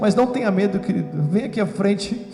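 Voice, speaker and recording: Speech comes at a very fast pace with fairly even intonation, music in the background and audible room echo. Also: man. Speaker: pastor. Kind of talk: sermon. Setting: church. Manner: soft-spoken.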